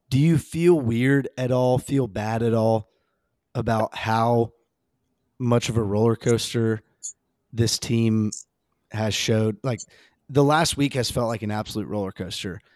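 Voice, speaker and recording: A man with a slightly hoarse voice hosting a casual, rambling, emphatic fan talk on a sports podcast. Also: medium pitch, a little slow, pauses often, darkish tone, no echo, studio quality.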